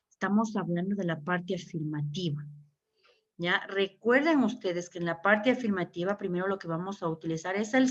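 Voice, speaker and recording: A woman from Ecuador teaching English grammar to a class, patiently repeating words and checking that students follow. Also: fairly low pitch. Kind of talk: online class explanation. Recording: muffled lo-fi audio.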